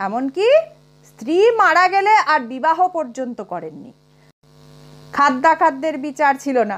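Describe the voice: This woman talks at a fairly slow pace, her high voice fairly bright in tone and moving through big pitch swings.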